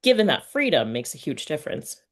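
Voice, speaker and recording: Low-pitched woman, casual and searching. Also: very animated, a little fast. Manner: hesitant, searching for words, earnest. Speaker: podcast interviewer. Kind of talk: casual, personal conversation.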